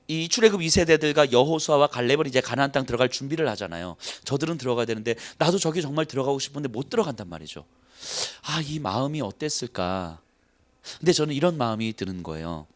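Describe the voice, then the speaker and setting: A male pastor preaching a playful, animated sermon, acting out little quotes and laughing as he goes. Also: a little high. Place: church hall.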